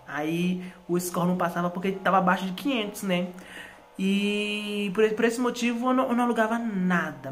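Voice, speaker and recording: A woman's voice: on the low side, slight background noise. Rambling woman vlogging at home. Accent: São Paulo Portuguese. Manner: rambling, many fillers and restarts. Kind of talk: casual chatty vlog. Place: at home indoors.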